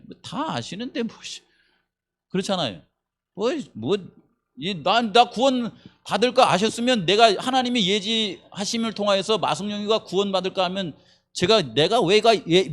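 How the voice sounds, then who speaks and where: A man's voice: fairly high pitch, fairly bright tone. A male pastor teaching a Bible doctrine class, talking conversationally and asking questions he answers himself. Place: small rural church.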